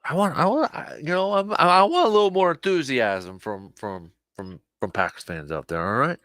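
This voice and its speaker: A man hosting a casual sports talk show, a little hoarse, animated, often repeating and restarting his words. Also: fairly high pitch, normal speed, no echo, studio quality. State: slightly hoarse, losing his voice.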